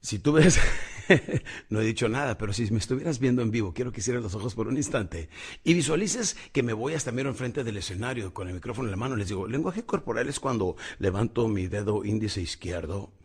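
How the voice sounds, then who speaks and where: Motivational speaker, male, husky voice, big swings between shouting pumped-up and slow low emphasis. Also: animated. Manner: calls the listener "campeón", laughs at own jokes. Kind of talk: motivational talk on public speaking.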